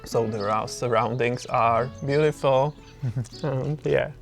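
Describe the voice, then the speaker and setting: Outdoors, a man chats in an easygoing way about his cooking and garden for a home vlog, laughing frequently. He speaks slowly in a steady, mid-range voice with vocal fry, while faint music plays in the background.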